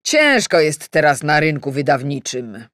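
A woman voicing a male editor-in-chief in an audiobook, an earnest, self-important boss who speaks in a measured, halting, persuasive way. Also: low voice, big pitch swings, fairly bright tone, no room sound, clean studio sound, full character voice. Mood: weighty, hesitant.

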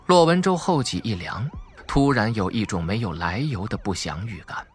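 A man narrates a suspense novel in a fairly low voice. His intonation is highly animated, shaped for dramatic scripted storytelling. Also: moderate pace. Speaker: audiobook narrator.

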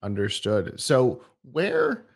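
A man with a somewhat low voice hosts a tech show interview from a studio. He talks relaxed and conversational, stumbling through restarts and tossing in short acknowledgements. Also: takes it slowly, creaky. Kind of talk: interviewing a guest. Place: studio with a screen behind.

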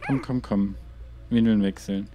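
A man's voice: fairly low pitch, fairly even intonation, unhurried, lo-fi sound, faint music behind. Chatty man narrating a game. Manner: chatty, talks to his game characters, muttered asides and exclamations. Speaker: let's play host. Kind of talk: gaming commentary.

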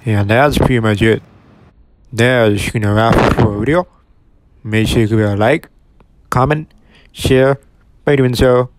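A man's voice: medium pitch, fairly even intonation, a little slow, pauses often, slight background noise. A young man from Oregon giving casual, matter-of-fact narration while touring an empty store. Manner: plain, matter-of-fact commentary. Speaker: retail explorer vlogger.

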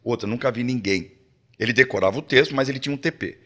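A man's voice: mid-range voice, fast talker. An older man with a Brazilian accent, a podcast guest telling stories with energy and swearing now and then, acting out what people said. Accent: Brazilian Portuguese. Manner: lively, swears, acts out quotes. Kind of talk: animated storytelling.

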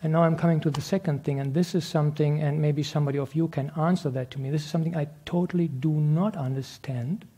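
A man's voice: fairly high pitch, steady tone, fast talker, hardly any pauses, dark tone, slightly rough. A man, a meditation teacher answering audience questions, explaining earnestly and laughing often. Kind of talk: lecture Q&A. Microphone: handheld microphone passed around the room.

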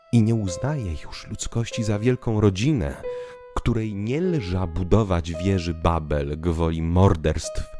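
Male narrator for literary audio drama: deep bass, unhurried, declamatory, hushed to emphatic, over music. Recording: piano music behind the voice. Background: piano music.

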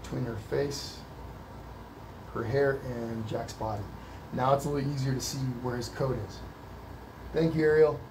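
A man's voice: medium pitch, fairly even intonation, normal speed, long pauses, background noise. A man with a slight cold leading a live painting lesson indoors, reading out viewer comments and encouraging them. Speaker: painting instructor. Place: indoor art studio.

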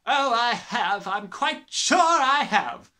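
A man voicing a harsh, sneering, bullying middle-aged headmistress in a children's storybook, with snapping, drawn-out emphasis. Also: extremely high pitch, sing-song, sharp tone, voice pushed up, exaggerated voice. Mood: gloating. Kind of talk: dramatised children's storybook reading.

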